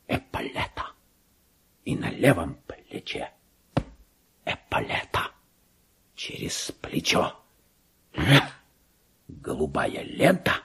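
An actor playing a deluded, pompous petty government clerk slipping into madness, in a theatrical radio monologue that moves between hushed musing and shrill indignation. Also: male voice, heavily acted. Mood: dreamy, secretive. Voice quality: husky, creaky. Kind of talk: theatrical radio monologue, diary read aloud.

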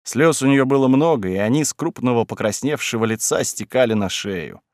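A man giving a measured literary reading as narrator. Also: medium pitch, dry recording, studio quality. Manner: measured storytelling.

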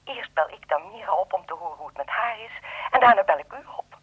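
Husky, insistent woman caller. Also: medium pitch, lively intonation, quick pace, narrow, tinny audio. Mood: eager, generous. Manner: persuasive, urging, reassuring. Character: lonely, insistent, generous woman on the telephone. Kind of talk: radio play acting.

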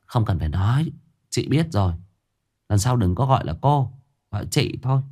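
A man voicing a calm, knowing woman of about forty, a spirit medium, who explains things in a matter-of-fact way in a spoken ghost story. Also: mid-range voice, moderate pace, lightly acted. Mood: teasing.

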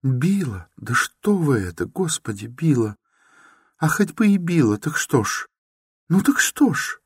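A man voicing a timid, meek young woman who pleads softly and grows breathless in distress. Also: medium pitch, slow pace, husky, no echo, pitched above the performer's own voice.

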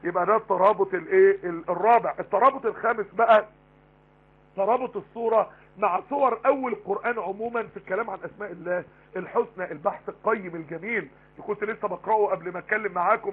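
Rapid Egyptian preacher, tinny online stream. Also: male voice, high voice, fairly even intonation, breathy edge. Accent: Egyptian Arabic. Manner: rapid, emphatic, rhetorical questions. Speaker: Quran teacher. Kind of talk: live online Quran lesson. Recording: tinny phone-line broadcast.

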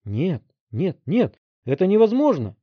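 A man's voice: medium pitch, animated, a little fast, no echo, close to an everyday voice. A man doing a cocky thirteen-year-old boy. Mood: panicked. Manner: sarcastic, brash, yelling taunts. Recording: dry, slightly dull recording.

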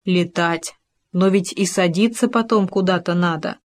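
A woman's voice: lowish voice, no room sound, natural voice. A woman reading a sorrowful big bear. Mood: mournful. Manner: slow, mournful and brooding. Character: big sorrowful male bear, gloomy and sighing.

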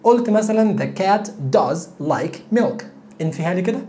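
A man with an Egyptian Arabic accent teaching English grammar, repeating example sentences slowly and asking the viewer rhetorical questions. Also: sits high, expressive, mellow, a little hiss or hum. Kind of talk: grammar lesson explanation.

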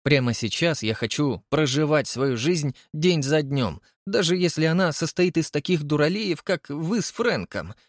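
A man's voice: a little high, lively intonation, moderate pace, hardly any pauses, no room sound, clean studio sound, voice pushed up, natural voice. A man doing a theatrical vain artist. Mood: impassioned. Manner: dramatic, exclaiming, indignant. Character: vain eccentric male artist, theatrical and touchy. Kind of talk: audiobook character voice.

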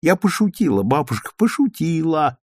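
A man voicing a lively, teasing young schoolgirl in a storybook reading. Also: fairly high pitch, moderate pace, slightly rough, no echo, studio quality, voice pushed up. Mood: playful. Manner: eager, teasing.

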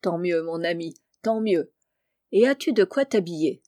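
A woman reading the part of a jovial, teasing gentleman in a storybook, in a good-humoured way. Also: fairly low pitch, lively intonation, normal speed, voice pushed down, lightly acted. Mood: amused. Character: jovial prankish gentleman, adult man.

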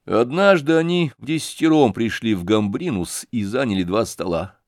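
Man giving a measured, dramatic audiobook reading. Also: medium pitch, animated, dry recording, studio quality. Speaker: audiobook narrator. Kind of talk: scripted narration.

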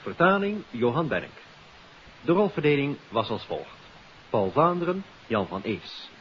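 A man announcing on 1950s radio, formally reading out credits in a measured, itemised way. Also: medium pitch, very animated. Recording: hissy, dull 1950s radio recording.

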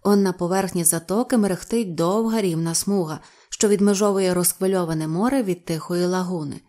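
A woman's voice: lowish voice, brisk, mellow. Woman reading a novel aloud. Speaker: audiobook narrator. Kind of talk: storybook narration.

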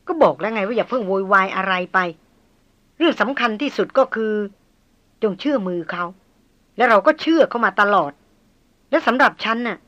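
A woman voicing a soft-spoken, reassuring man. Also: mid-range voice, highs cut off, natural voice. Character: calm male companion, soothing and reassuring.

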